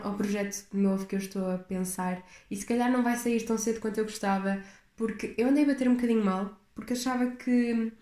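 A woman's voice: medium pitch, dark tone, reverberant. A young woman with a European Portuguese accent hosting a casual solo podcast, rambling and reflective as she chats. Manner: rambling, reflective, chatty with restarts. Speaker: podcast host.

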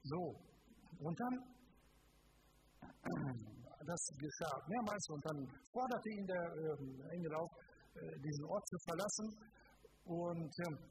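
A man's voice: on the high side, animated, takes it slowly, pauses often, noisy background. A man preaching a live sermon to a congregation, speaking emphatically and asking them direct questions. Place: church service before a congregation.

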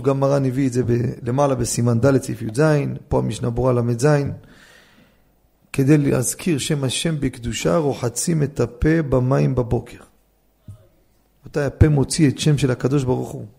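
A man, a rabbi, giving an animated lecture on Jewish law and firing rhetorical questions at his listeners. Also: mid-range voice, creaky, husky. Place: study hall class.

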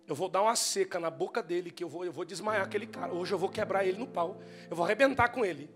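A fed-up young worker, as a male preacher acts him out, muttering low, angry threats. Faint music plays behind him. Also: fast, a bit bright.

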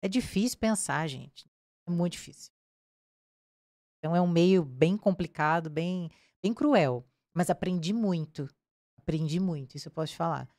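Woman, Brazilian accent, reporter, lively storytelling, slightly low voice, dry sound. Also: normal speed, dry recording. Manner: animated, acts out quoted dialogue. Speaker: crime reporter. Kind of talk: casual interview storytelling.

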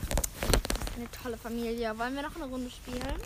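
A young woman with a high, light voice chats playfully and giggles with a friend over a game. Her talk is loose and bubbly. The home recording carries a steady hiss of background noise. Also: normal speed. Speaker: co-host of a casual recording. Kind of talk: casual chat while playing a drawing game.

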